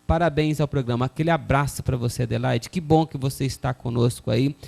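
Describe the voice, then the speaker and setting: A man's voice: mid-range voice, fairly quick, gravelly, a little mellow. A man hosting a Christian television program, talking earnestly about forgiveness and reading scripture in a preacherly way. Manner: earnest, preacherly, many filler "né?". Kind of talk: religious talk show, reading viewer messages and scripture.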